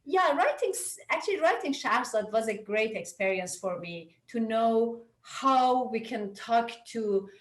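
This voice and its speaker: A woman from Iran with a Persian accent, answering interview questions as a writer in halting English, often searching for words. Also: mid-range voice. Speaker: interviewed playwright and screenwriter. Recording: echoey room.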